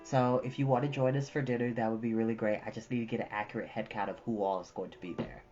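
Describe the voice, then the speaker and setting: A livestream host of about thirty chatting casually and exclaiming in an animated, talkative way. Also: mid-range voice, quick pace, lo-fi sound. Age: 30s. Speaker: livestream host who reads books aloud. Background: prominent jazz music.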